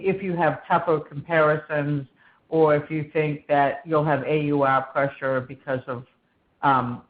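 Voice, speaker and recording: A woman research analyst asks an unscripted question on a business call. She is polite, pausing and rephrasing as she goes. Her voice comes through a tinny, phone-like connection. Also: deep voice. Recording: thin, narrow phone line.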